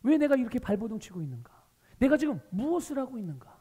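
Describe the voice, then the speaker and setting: A male pastor preaching a Sunday sermon, animated, asking the congregation rhetorical questions. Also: very high-pitched, fast talker, husky, big-room sound. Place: church sanctuary.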